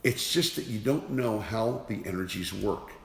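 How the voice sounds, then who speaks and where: A man's voice: lowish voice, normal speed, creaky. A man giving a motivational teaching talk as an energy awareness teacher, emphatic and repeating rhetorical questions. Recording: roomy with long reverb.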